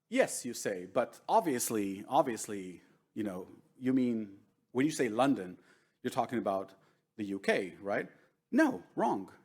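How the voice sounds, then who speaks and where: Against a quiet background, a man with an Israeli accent speaks at a fairly slow pace with long, frequent pauses and ordinary pitch variation. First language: Hebrew. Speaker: workshop instructor; conference presenter. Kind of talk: lecture. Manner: conversational, frequent fillers. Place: hall.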